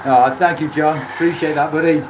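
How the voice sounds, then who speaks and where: A man's voice: fairly even intonation, moderate pace. A man with a Welsh accent chatting casually on a livestream while he works, often repeating phrases for emphasis. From Wales. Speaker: live streamer, beginner woodturner. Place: indoor woodturning workshop. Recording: echoey workshop, loud machinery noise. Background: lathe motor rumble.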